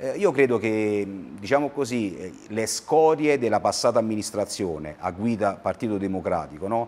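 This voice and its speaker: Using an unremarkable speaking voice, a man speaks at a moderate pace with a fairly low pitch and lively intonation. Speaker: city councillor. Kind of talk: political talk show debate. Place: studio. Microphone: lapel.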